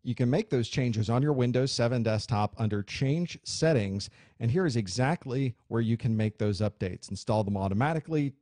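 A man teaching a computer course, explaining software settings in a clear, steady way while recording a screen tutorial. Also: medium pitch, moderate pace, hardly any pauses, no echo. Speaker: IT instructor.

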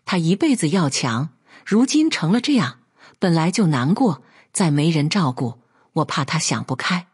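A woman's voice: low-pitched, big pitch swings, normal speed, slightly rough, heavily acted. A woman voicing a weary young husband. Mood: pleading. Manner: pleading, soft.

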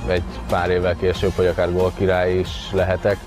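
A young male athlete answers interview questions in a deep voice with flat intonation. He hesitates and repeats words, and music plays behind him. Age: 20s. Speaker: footballer being interviewed. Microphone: lapel mic.

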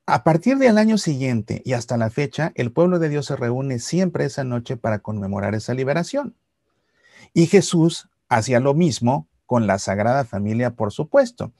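A middle-aged man giving a Catholic reflection to camera, explaining patiently and slowing for solemn lines. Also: mid-range voice, expressive, dry recording, clean studio sound. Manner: warm explanatory storytelling, slows for solemn lines. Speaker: Catholic YouTuber. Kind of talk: reflective religious talk to camera. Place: Seattle archdiocese series.

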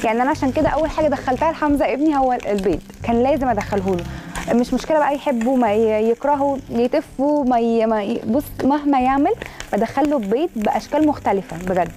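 A woman's voice: high voice, fast talker, dark tone, slight background noise. A woman with an Egyptian Arabic accent, a food blogger giving chatty cooking and health advice in a kitchen, rattling along and stacking up intensifiers.

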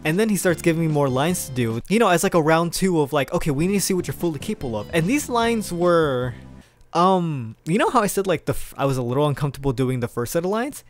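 A man's voice: on the high side, quick pace, faint music behind. A young man telling a casual storytime in a chatty, slangy, rambling way as a video creator. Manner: animated, chuckling, informal slangy rambling. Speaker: video creator, amateur voice actor.

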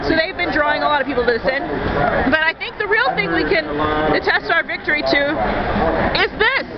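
High-voiced young woman in a roaring crowd. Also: a little fast. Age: young adult. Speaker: vlogger and convention booth staffer. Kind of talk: casual handheld vlog tour. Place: large busy convention hall. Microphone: handheld camera at arm's length. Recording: muffled camera mic, loud convention crowd noise.

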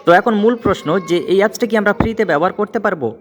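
A man's voice: sits high, rapid-fire. A man narrating a step-by-step app tutorial as host, emphatic and repetitive, mixing English connectives into his talk. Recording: long reverberant echo on voice.

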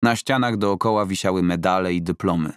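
A male audiobook narrator with a deep voice. He reads scripted fiction close to the microphone. The studio sound is dry, with no audible room. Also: a little fast, clear, resonant tone, dry recording.

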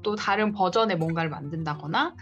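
A woman's voice: fairly low pitch, a little fast. Encouraging woman coach, dull call audio. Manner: encouraging, advising. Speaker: coach for independent lecturers. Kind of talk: one-on-one online coaching talk. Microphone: video call. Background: faint guitar music.

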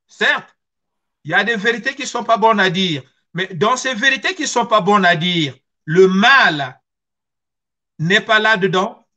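High-pitched, slow Congolese man. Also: bright, forceful tone. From Congo-Brazzaville. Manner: earnest, emphatic, rhetorical questions. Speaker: guest speaker. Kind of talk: personal testimony on history and identity. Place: small furnished room at home, video call.

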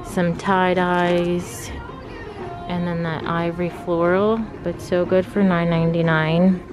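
A young woman chatting casually as she films herself shopping in a clothing store, talking with lots of "like" fillers. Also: lowish voice. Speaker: fashion vlogger. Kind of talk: casual shop-with-me narration. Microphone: handheld phone camera. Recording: background music playing over voice.

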